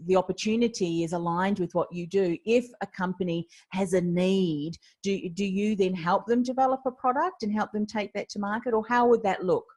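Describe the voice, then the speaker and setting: A woman's voice: mid-range voice, fairly even intonation, normal speed, hardly any pauses, a little mellow. A woman from Australia hosting an interview podcast, encouraging her guest and leading a short prayer. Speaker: podcast host.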